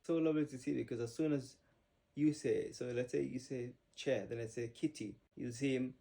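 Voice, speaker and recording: Guy with a gravelly voice, mid pitch, laid back, mostly says yeah. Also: moderate pace. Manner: brief agreeing replies, relaxed. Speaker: co-host, husband. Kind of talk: casual chat.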